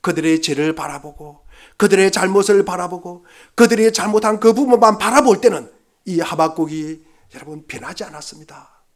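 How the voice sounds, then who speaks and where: A male pastor delivering a Sunday sermon with a notably high-pitched voice. He preaches fervently and repeats key phrases for emphasis. He swings from loud, urgent exhortation down to quiet, hushed lines. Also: fairly quick.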